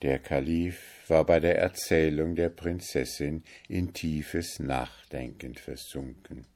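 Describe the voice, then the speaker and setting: A man narrating a fairy tale in a measured and calm audiobook reading. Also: rumbling low. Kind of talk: audiobook storytelling.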